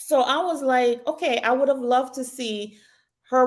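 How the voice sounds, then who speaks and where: In a Jamaican accent, a woman talks with a high pitch and an animated tone on a very clean recording against a silent background. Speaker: talk show co-host. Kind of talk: casual chat about a TV show. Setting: live stream.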